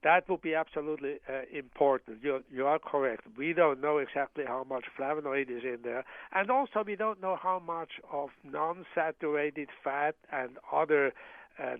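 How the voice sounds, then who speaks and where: Interview guest: a man from Switzerland, measured and halting, on a tinny dry phone line. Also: mid-range voice, vocal fry, no room sound. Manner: measured, hesitant with frequent uh fillers and restarts. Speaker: guest, professor of medicine.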